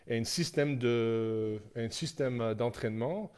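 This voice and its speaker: A man's voice: mid-range voice, measured pace, a little mellow, clean tone. A man, a strength coach giving a live Q&A presentation, hesitant, with many fillers and restarts. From Canada. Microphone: live stream.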